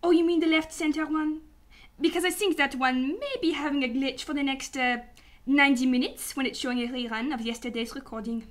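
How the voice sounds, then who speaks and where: A woman's voice: sits high, steady tone, a little fast, natural voice. A woman playing a cheeky, scheming detective's assistant in a sci-fi radio drama, with a sarcastic, teasing manner. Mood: sly, teasing.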